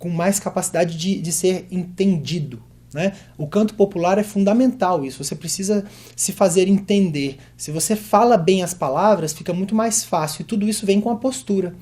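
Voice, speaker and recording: Brazilian-accented vocal coach, warm and dark-toned, clear step-by-step explanations with spoken demonstrations. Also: medium pitch, moderate pace, few pauses. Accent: Brazilian Portuguese. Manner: explanatory, demonstrates vowels and drill syllables aloud. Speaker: voice teacher. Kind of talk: vocal technique lesson.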